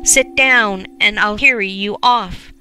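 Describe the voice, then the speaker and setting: A woman's voice: mid-range voice, slow, pushed and bright, faint music behind. A woman doing a reassuring storybook bullock. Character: confident bullock, brisk and reassuring.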